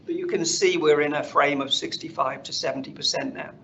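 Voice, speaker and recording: Gravelly executive man on a muffled conference call. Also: a little high, fairly even intonation, fairly quick, a bit bright. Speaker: company finance executive. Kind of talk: earnings call slide presentation. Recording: dull conference call audio, faint noise.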